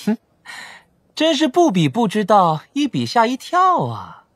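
A woman's voice: on the high side, wildly swooping pitch, a little slow, full character voice. Woman acting a playful, wildly swooping teaser. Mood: teasing. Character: playful, teasing, excitable character. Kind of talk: audiobook drama acting.

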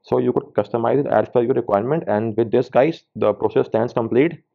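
A man's voice: mid-range voice, brisk, vocal fry. A man narrating a step-by-step tech tutorial, instructing viewers directly as the host. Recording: tinny phone-like band-limited sound.

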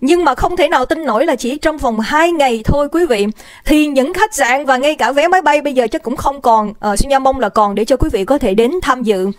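A woman's voice: high-pitched, brisk, no echo. A woman hosting a casual livestream, chatty and bubbly, greeting viewers by name and mixing in English phrases. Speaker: livestream host. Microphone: desk microphone.

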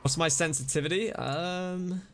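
A young man with a fairly high voice streams a zombie shooter, speaking a little slowly with slight background noise. Still excitable and chatty, he greets chat members by name and is wearing his voice out from the hype.

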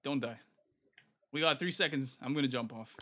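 Bright-voiced young guy teasing his friend. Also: mid-range voice, normal speed. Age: young adult. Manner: laughing, teasing banter. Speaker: guest co-player. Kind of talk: casual gaming chat.

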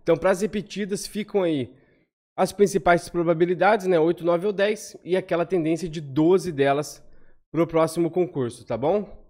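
A Brazilian man in his thirties with a Brazilian Portuguese accent hosts lottery analysis, casually walking through number trends while scrolling a spreadsheet over screen share, on webcam from a room at home. His slightly high, a little mellow voice is quick and chatty, and he keeps checking in with viewers through small tag questions.

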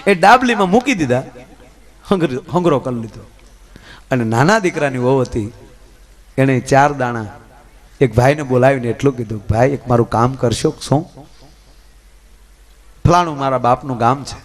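A man telling folk stories and jokes to a live audience, swinging between loud telling and soft asides. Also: fairly high pitch. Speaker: folk storyteller and comedian. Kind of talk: live folk storytelling on stage.

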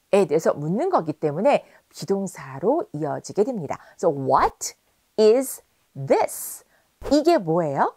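A woman teaching English in a video lesson, saying example phrases slowly and clearly. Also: mid-range voice, a little mellow, dry recording.

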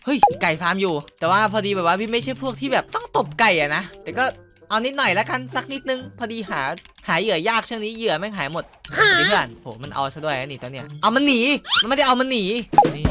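A young man doing casual gameplay commentary, loud and crude, with excitable trash talk aimed at other players. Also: sits high, quick pace. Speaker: gaming YouTuber. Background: loud game music.

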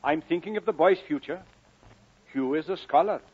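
An actor playing a stern, exasperated Welsh working father, gruff and forceful, in 1940s radio acting. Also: fairly high pitch, moderate pace. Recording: muffled old radio broadcast.

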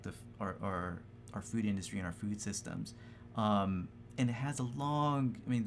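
A man in his thirties hosting a webinar from home, asking questions in a halting way with many pauses. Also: fairly low pitch, slight background noise. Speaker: host and moderator. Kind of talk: webinar moderating. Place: home room with bookshelves, indoors. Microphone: video call with earphones.

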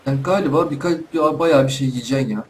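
A man's voice: mid-range voice, quick pace, a little mellow, a little hiss or hum. A young man giving casual let's play commentary from home, chatting to himself and the animals in the game. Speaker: gaming YouTuber.

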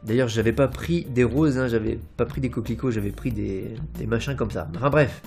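A man's voice: medium pitch, fairly quick, vocal fry, a little mellow. A young man narrates a Minecraft building tutorial in a casual, rambling, playful way, full of fillers and little "hop" sounds. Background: faint background music.

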